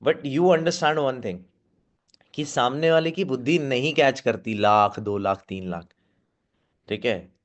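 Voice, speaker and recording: In a meeting room with his team seated before him, a network marketing trainer delivers a live coaching talk to his sales staff. His voice is medium-pitched, and he mixes in English phrases while often checking in with quick questions.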